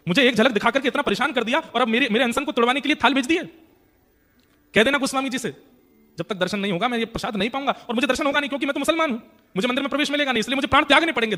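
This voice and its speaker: A man's voice: sits high, fairly bright tone. A man voicing a stubborn, lovesick Muslim devotee who talks in an agitated, pleading way.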